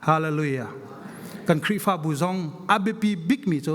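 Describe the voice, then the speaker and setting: A man's voice: high-pitched, moderate pace, a bit bright. A man preaching a fervent sermon, emphatic and repetitive, drawing out key phrases, recorded in a large reverberant hall.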